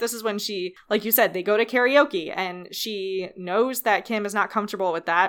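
Recorded very cleanly against a silent background, a woman with an American accent speaks at a moderate pace in a normal speaking voice. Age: 20s. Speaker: film podcast panelist. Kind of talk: casual chat.

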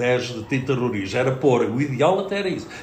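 A man with a European Portuguese accent at a medium pitch, ordinary pitch variation and a moderate pace, with noticeable background noise. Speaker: wine industry veteran. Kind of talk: interview.

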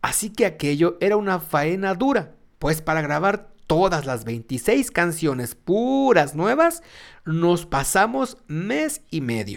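A man with a Mexican accent at a very slow pace, high in pitch, with very wide pitch swings. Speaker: podcast host reading a book aloud. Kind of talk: reading aloud.

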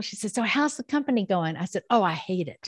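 Against a quiet background, a woman speaks with a slight Southern US accent and lively intonation. The sound is dry and close, with no echo. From South Carolina, US South. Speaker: business owner, former nurse. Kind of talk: casual interview.

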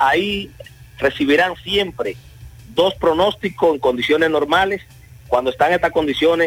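Speaking at a moderate pace with a Dominican accent, a man uses a fairly high pitch with ordinary pitch variation. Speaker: meteorology expert. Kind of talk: radio interview.

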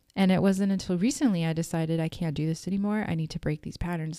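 On a very clean recording with a silent background, a woman speaks at a medium pitch with a dark, mellow tone and ordinary pitch variation. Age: 30s. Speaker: podcast host. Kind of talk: casual monologue. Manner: conversational, laughs often.

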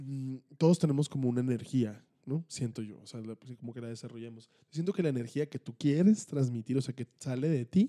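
Recorded dry and close with no echo, a man talks at a fairly quick pace and medium pitch, his dark, mellow tone showing ordinary pitch variation. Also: big swings in loudness. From Mexico, Hermosillo, Sonora. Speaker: comedian and photographer. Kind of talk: casual chat.

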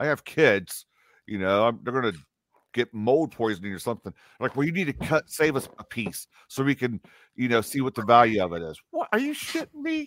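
A man with an unremarkable speaking voice talks at a medium pitch and a fairly quick pace, his intonation lively. The recording is very clean, with a silent background and a dry, close sound with no echo. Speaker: co-host. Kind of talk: casual banter.

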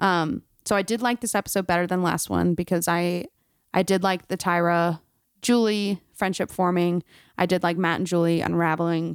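In a very clean recording with a silent background, a woman with a plain, everyday voice speaks at a moderate pace in a fairly low pitch, with very even loudness, fairly even intonation and a dry, close sound with no echo. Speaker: podcast co-host. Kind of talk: casual chat. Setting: in-person recording with co-host.

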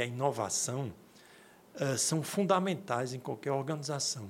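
A man talks at a moderate pace. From Brazil, Paraíba (Campina Grande). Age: 60s. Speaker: strategic planning consultant. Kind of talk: interview conversation.

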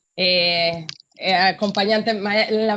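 A woman with an unremarkable speaking voice, medium pitch and fairly even intonation. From Mexico. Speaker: psychologist. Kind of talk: casual panel discussion.

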